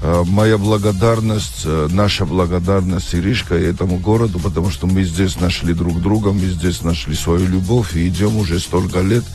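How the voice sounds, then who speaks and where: A man with a low voice sits as a guest in a radio studio, talking in an earnest, heartfelt way. He stumbles and restarts as he goes, with faint music under the talk. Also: steady tone, moderate pace, hardly any pauses, a little mellow. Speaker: guest singer.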